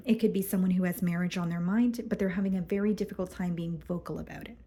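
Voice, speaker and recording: A woman doing a casual tarot reading, going hoarse and clearing her throat as she talks through the cards with some hesitation. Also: fairly low pitch, fast, dark tone. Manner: careful, hesitant, repeats words. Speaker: tarot reader.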